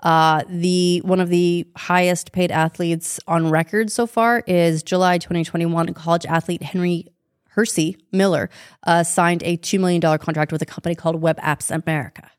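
A woman's voice: on the low side, steady tone, normal speed, clean tone, no room sound, clean studio sound. A young woman co-hosting a podcast in casual chat, asking curious questions and reading out what she finds. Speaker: podcast co-host.

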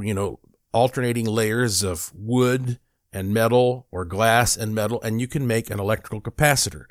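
A man lecturing in a casual, explanatory way, pausing for fillers and restarting his sentences now and then. His voice sits at an ordinary pitch. It is recorded close and dry, with no room sound. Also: no room sound. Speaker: host presenting a product video. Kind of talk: explanatory monologue.

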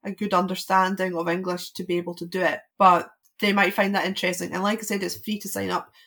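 A woman's voice: fairly low pitch, flat delivery, quick pace, a bit bright. A Scottish woman from Scotland, a podcast guest talking casually with frequent ums and restarts.

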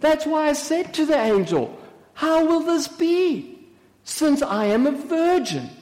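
Man acting teenage girl, very high voice, earnest, insistent, emphatic, Bible storytelling, echoing hall. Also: sing-song, slow, darkish tone, exaggerated voice. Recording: long echoing hall reverb.

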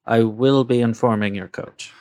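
A man playing a fussy, stern college professor who talks slowly and haltingly, filling gaps with uh's. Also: medium pitch, fairly even intonation, a little mellow, no room sound, studio quality, lightly acted. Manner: slow, halting, full of uh's.

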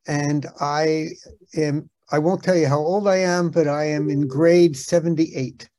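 Man, mellow tone, playful and joking, video-call sound. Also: on the high side, fairly even intonation, measured pace. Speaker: host's assistant.

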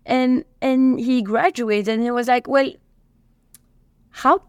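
A woman's voice: sits high, fairly even intonation, slow, clear, resonant tone, dry recording, lo-fi sound. Belgian-accented woman, dry close sound. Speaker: company co-founder and CEO, podcast guest. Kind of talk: casual interview storytelling.

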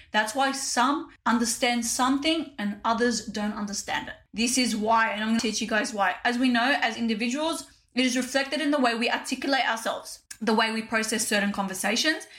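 Bright-voiced woman podcasting. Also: a little high. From Australia. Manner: chatty, direct, addresses listeners as "you guys". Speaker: podcast host. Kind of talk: casual solo podcast talk.

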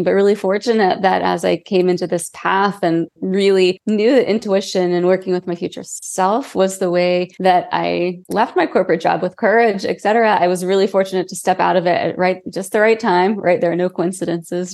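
Low, creaky woman's voice, cracking with a cold. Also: a little mellow. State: has a cold. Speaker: podcast guest, coach. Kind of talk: conversational explanation.

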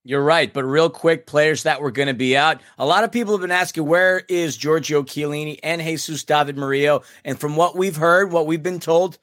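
A man co-hosting a casual sports podcast, rattling through lineups and laughing easily as he trips over names. His voice sits a bit high and sounds close and dry, with no room around it. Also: fairly even intonation, normal speed, hardly any pauses, fairly bright tone, dry recording. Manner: chatty, laughs often, stumbles over names. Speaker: podcast co-host.

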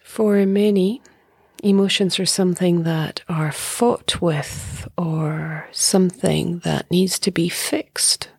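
A woman guides a meditation in a soft, breathy, lowish voice that often sinks close to a whisper. She speaks very slowly and calmly, leaving long pauses. The sound is close and dry. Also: dry recording. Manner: calm, soothing, unhurried with long pauses. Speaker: meditation teacher.

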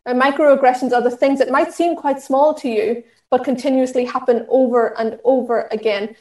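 Irish woman running a training session, earnest, kinda high voice, echoey room. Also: warm tone. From Ireland. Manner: earnest, instructive, with many fillers and restarts. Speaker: diversity and inclusion trainer. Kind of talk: talk at an online session.

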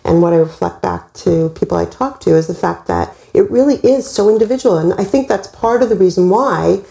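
A woman in her mid-fifties, a nutritionist, speaking on a panel in a measured, thoughtful way. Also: mid-range voice, expressive, gravelly, dark tone, roomy sound. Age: 50s. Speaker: holistic nutritionist. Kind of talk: panel discussion.

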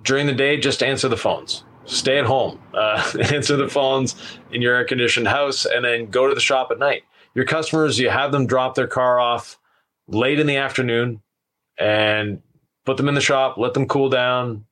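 A man's voice: mid-range voice, steady tone, normal speed, fairly bright tone. A man chatting casually as a podcast host, explaining practical advice in an easygoing way. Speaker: podcast host and experienced detailer.

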